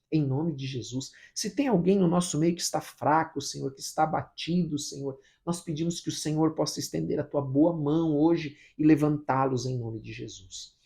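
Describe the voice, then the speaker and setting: A Brazilian pastor reading scripture and then leading a fervent morning prayer, full of repeated pleas. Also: male voice, fairly high pitch, vocal fry, dark tone. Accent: Brazilian Portuguese.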